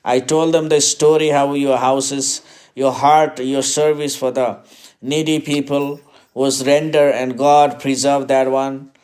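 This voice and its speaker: A man from Nepal, a native Nepali speaker, talking haltingly in a casual phone conversation about his ministry work. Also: mid-range voice, little pitch movement, darkish tone. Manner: halting, hesitant speech.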